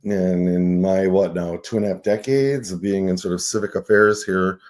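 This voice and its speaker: An older man talks in a mellow, somewhat low voice. He speaks as a guest on a radio talk show, reflective and earnest, often tagging his points with "right?". His tone is dark and relaxed rather than bright. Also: moderate pace. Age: 60s. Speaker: nonprofit CEO, guest. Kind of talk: casual radio interview.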